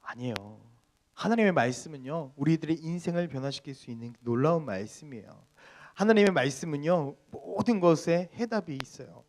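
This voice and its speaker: Animated pastor preaching to young people. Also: male voice, fairly high pitch, brisk. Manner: animated, questions the congregation, leads group Bible reading. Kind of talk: youth sermon.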